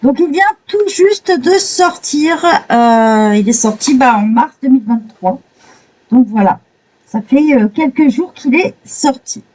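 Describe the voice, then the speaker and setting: A woman with a mellow, warm voice talks her way through a coloring book, page by page. Her voice sits a little high, and she keeps stopping to gush in admiring little exclamations. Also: lively intonation, measured pace, poor audio. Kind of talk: casual flip-through commentary.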